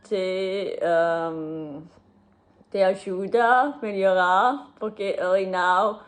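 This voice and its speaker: A young woman with a German accent speaks slowly in halting beginner sentences, with frequent pauses, fillers and self-corrections, and laughs often. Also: medium pitch, fairly even intonation. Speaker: language learner. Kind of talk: unscripted video message to her boyfriend.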